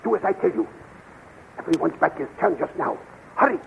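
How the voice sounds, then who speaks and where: An actor playing an earnest, scheming scientist with urgent, deliberate delivery in a 1930s radio serial. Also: male voice, on the high side, huge pitch swings, vocal fry, full character voice. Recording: tinny, hissy 1930s radio recording.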